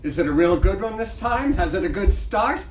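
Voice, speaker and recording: A man's voice: high voice, expressive, normal speed. A roomy, distant recording with some noise. A hotel night clerk played by a man in a stage reading muses in a detached, idle way, lost in morbid daydreams. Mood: detached musing. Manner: idly musing, detached. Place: library reading room, live reading. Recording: distant, echoey, noisy room.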